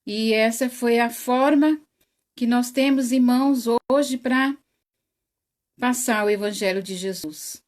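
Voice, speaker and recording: Woman, Brazilian Portuguese accent, livestream host, casual chat, greets viewers by name, frequent laughs, loud voice, unhurried delivery. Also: on the high side. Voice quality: says she has a very loud voice. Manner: greets viewers one by one by name, laughs often, slow and chatty. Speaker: host of an online spiritist study.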